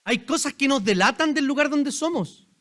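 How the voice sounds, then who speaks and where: A man's voice: extremely high pitch, lively intonation, normal speed, a bit bright. A man with a Chilean accent preaching a sermon as pastor in a church, talking conversationally and putting questions straight to the congregation. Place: church sanctuary.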